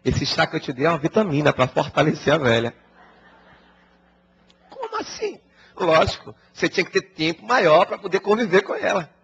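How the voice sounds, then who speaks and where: A man voicing a calm, wise old male sage who gives patient, reassuring counsel, recorded as dull lo-fi broadcast audio. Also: a little high, quick pace, creaky, hardly any pauses, husky, heavily acted.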